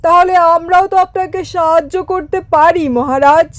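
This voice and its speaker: A woman voicing an eager, fawning, food-loving royal minister in a cartoon fairy tale, with drawn-out, deferential phrasing. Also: extremely high pitch, steady tone. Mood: earnest, respectful. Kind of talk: Bengali animated fairy-tale dialogue.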